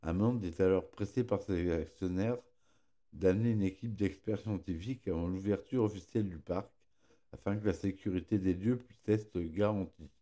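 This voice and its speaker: A man's voice: low voice, normal speed, dark tone. A man presenting a scripted film review, reading aloud with slightly impeded articulation and occasional stumbles that he corrects. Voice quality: slightly impeded articulation from a fresh tongue piercing. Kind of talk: scripted narration read aloud, film chronicle.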